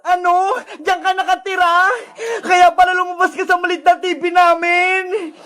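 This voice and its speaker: A woman's voice: very high-pitched, monotone, moderate pace, a bit bright. A woman voicing a frightened kidnapped young girl who pleads and cries out for help. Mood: scared. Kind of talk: Tagalog cartoon voice acting.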